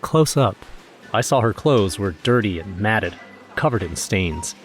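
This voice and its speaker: A low-pitched male everyman tells a first-person horror tale. His delivery is wry and measured with an uneasy edge, over a faint music bed. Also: lively intonation. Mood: tense, disgusted. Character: wry, nervous everyman narrator recounting a snowstorm errand.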